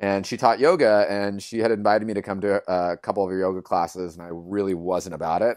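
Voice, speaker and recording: A man with an American accent speaks at a very fast pace with fairly even intonation and fairly low pitch. The recording is very clean with a silent background. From East Los Angeles, California. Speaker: yoga instructor. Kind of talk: personal story interview.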